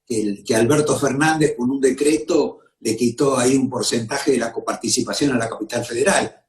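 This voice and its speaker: A man with a Rioplatense accent hosting a TV political interview, interjecting with measured questions. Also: mid-range voice, reverberant. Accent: Rioplatense Spanish. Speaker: TV interview host.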